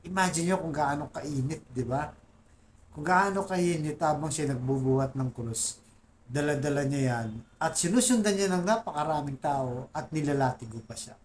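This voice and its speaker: A man's voice: a little high, normal speed, a little hiss or hum. A man giving a casual Catholic reflection talk, often asking his listeners "right?" and calling them guys, rising in voice as he lists sufferings. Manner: keeps asking "di ba?" and addressing "guys". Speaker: Catholic faith vlogger.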